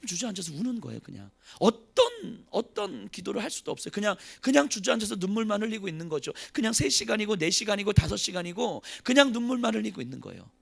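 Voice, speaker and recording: A man preaches a sermon at a church service, his voice high-pitched with a gravelly edge. His delivery swings widely in pitch, surging into loud pleas and then dropping to hushed, almost whispered lines. The emotion never leaves his voice. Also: very animated, fast, few pauses. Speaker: pastor.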